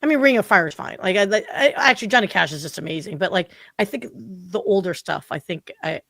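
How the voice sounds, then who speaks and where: Chatty woman with a lowish voice. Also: fast, gravelly, dry recording, clean studio sound. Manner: chatty, animated, full of "like" fillers. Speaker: podcast guest, marketing consultant. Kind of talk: casual interview chat.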